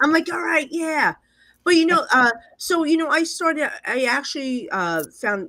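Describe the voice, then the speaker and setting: A woman uses a raised, projected voice with a bright, sharp tone. The recording is very clean, with a silent background. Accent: New Jersey. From New Jersey, Hoboken. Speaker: psychic medium and magazine publisher. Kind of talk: podcast interview. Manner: animated.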